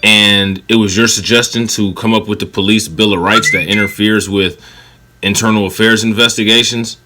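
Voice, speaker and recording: A man's voice: lowish voice, steady tone, moderate pace, bright, forceful tone, soft background music. A man hosting a reaction video, cutting into a clip with blunt, profane and sarcastic commentary.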